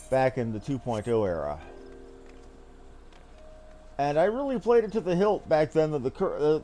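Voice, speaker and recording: A man's voice: medium pitch, dark tone, a little hiss or hum. A man giving casual, blunt live commentary as he plays a game, talking in an offhand, salty way. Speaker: game streamer.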